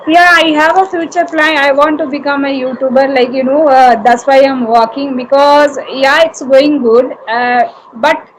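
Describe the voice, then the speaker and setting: Hindi-native woman with an Indian accent, high-pitched, halting and filler-heavy; conversation practice, faint hiss behind. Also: steady tone, low-quality recording. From Uttar Pradesh, India. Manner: halting, many fillers and restarts. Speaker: homemaker and YouTuber practising English.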